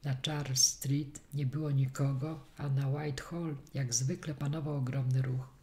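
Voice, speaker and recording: A woman reading a detective story aloud as a steady first-person audiobook narration. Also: extremely low pitch, normal speed. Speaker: audiobook reader.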